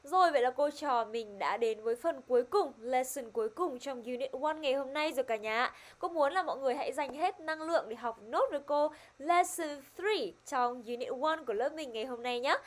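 A woman's voice: high voice, brisk, hardly any pauses. A woman teaching a primary-school English lesson online, upbeat and coaxing. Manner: upbeat, coaxing, switches between two languages.

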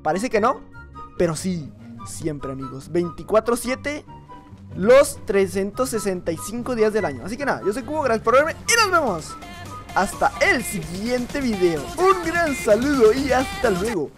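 Excitable woman gaming, slightly hoarse. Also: on the high side, moderate pace, music in the background. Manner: excitable, laughing, teasing other players. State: slightly hoarse from just waking up. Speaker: gaming YouTuber. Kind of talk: Minecraft gameplay commentary.

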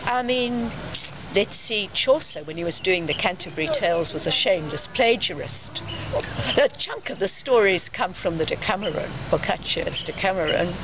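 A woman's voice: on the low side, animated, moderate pace, crowd noise. A middle-aged woman talking reflectively in an interview, choosing her words thoughtfully. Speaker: interviewee, literature researcher and creative writing teacher. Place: outdoors in a sunny courtyard beside a building. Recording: noisy outdoor camera sound, urban ambience.

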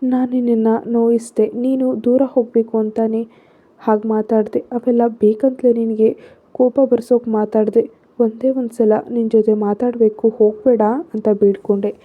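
A woman's voice: fairly high pitch, little pitch movement, moderate pace, natural voice. A woman voicing a proud, curt young man who brushes off feelings, in a story reading. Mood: regretful. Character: proud sharp-tongued young man on a call. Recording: phone-like narrow sound.

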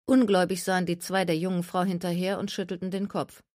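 A woman narrating an audiobook in even, clear storytelling. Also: on the low side, fast talker, no room sound, clean studio sound.

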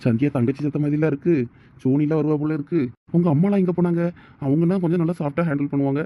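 A man playing a rapid, flat-voiced worried young man. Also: fairly high pitch, muffled recording, close to an everyday voice.

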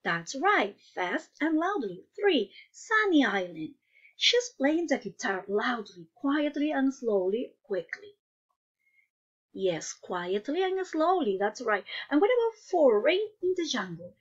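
Woman, teacher of young children, patient, praising, lively pitch, husky tone, dull lo-fi recording. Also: unhurried. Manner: patient, asks questions and praises answers. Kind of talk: online class lesson.

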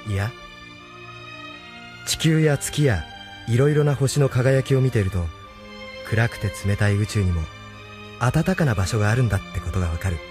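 An actor playing a thoughtful, earnest young man in a radio drama, speaking softly and reflectively. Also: mid-range voice, moderate pace, pauses often, music in the background, natural voice. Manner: soft-spoken, reflective. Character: thoughtful young male leader, gentle and earnest.

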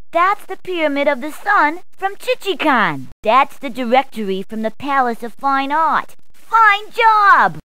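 A woman's voice: sits high, a bit bright, no echo. A woman voicing a cheerful female police officer in a video game, delivering short punning quips and hints in a chirpy manner. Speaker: in-game helper character.

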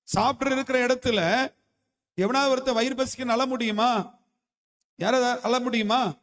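Male pastor, very high voice, preaching with fervor in a reverberant church hall. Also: fairly even intonation, unhurried, a bit bright. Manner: impassioned preaching, calls for hallelujah responses. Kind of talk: fervent Tamil sermon.

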